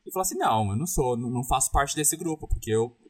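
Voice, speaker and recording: Man, husky, mid-pitched, reflective, many restarts. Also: expressive, rapid-fire. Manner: thoughtful, restarts often, agrees and builds on points. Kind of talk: conversational discussion.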